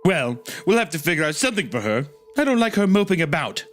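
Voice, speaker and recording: A genteel, motherly lady of a grand house , acted out by a man, speaks in a high, swooping voice. The manner is affected, fussy and theatrical, as in a comic story reading, with music behind. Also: sing-song, fast talker, a bit bright. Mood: fond concern.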